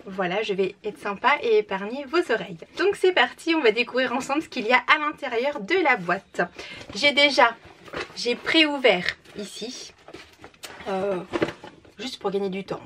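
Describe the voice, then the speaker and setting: A woman's voice: fairly high pitch, lively intonation, normal speed, bright, forceful tone. Chatty young woman unboxing, slightly distant. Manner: chatty, enthusiastic, frequent "euh" fillers. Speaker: book unboxing vlogger. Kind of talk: casual unboxing chat. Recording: slightly distant mic, faint room noise.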